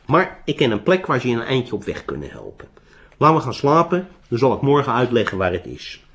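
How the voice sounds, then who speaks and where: A man voicing a gruff, blunt old hermit with a white beard who teases with sharp questions. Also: mid-range voice, very animated, a little fast.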